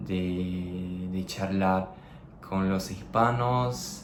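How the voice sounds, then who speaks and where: There is audible room echo around a man's voice. His pitch is fairly low, with ordinary variation. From Brazil. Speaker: polyglot language teacher. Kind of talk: casual vlog monologue. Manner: unscripted, with fillers.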